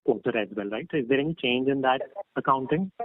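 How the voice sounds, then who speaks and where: A man asking questions as an analyst on an earnings call, halting and often checking his understanding. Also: mid-range voice, no room sound. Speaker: financial analyst caller. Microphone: phone call. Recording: dry, tinny phone line.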